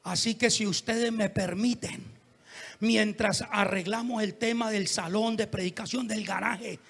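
A man's voice: high-pitched, steady tone, a little slow, vocal fry, fairly bright tone, slightly rough. A male pastor preaching an evangelistic sermon, telling a story with fervent, dramatic delivery.

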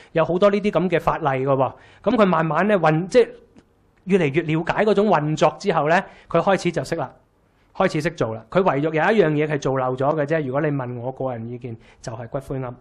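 A man in his thirties with a Hong Kong Cantonese accent lectures a small room in a chatty, wry way. His voice sits a little high for a man, and he keeps asking the room rhetorical questions. It sounds like a far camera in a small lecture room. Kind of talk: casual lecture.

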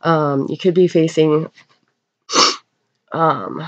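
A woman getting over a cold gives a casual tarot card reading, speaking haltingly with unhurried pauses. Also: low voice, fairly even intonation. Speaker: tarot reader. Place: indoors at a table in a room. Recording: dull, lo-fi webcam sound.

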